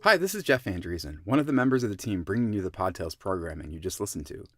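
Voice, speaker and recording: A man's voice: deep voice, lively intonation, quick pace, fairly bright tone, soft background music. A man reading a scripted promotional announcement as a member of a podcast team.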